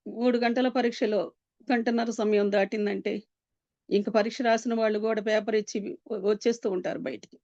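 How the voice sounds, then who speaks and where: A woman giving an emotional personal testimony, earnest and pleading, with pauses and many fillers. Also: on the high side, a little mellow, no room sound. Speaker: Christian testimony speaker. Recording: dull, dry lo-fi sound.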